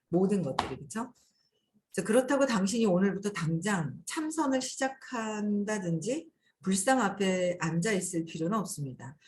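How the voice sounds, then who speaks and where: A woman's voice: lowish voice, slight background noise. A woman hosting a casual spiritual talk, acting out quoted thoughts as she explains them. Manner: animated, acts out quoted thoughts. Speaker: host.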